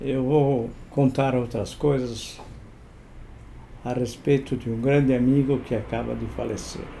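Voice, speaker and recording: Fairly slowly and in a flat monotone, a man at a medium pitch speaks with long, frequent pauses. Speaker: magazine editor-in-chief, journalist. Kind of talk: weekly commentary to camera.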